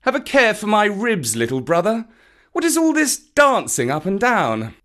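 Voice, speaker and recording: Man acting out storybook panther, raised pitch, wry, protective, severe, pointed archaic phrasing. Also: huge pitch swings, normal speed, fairly bright tone, full character voice.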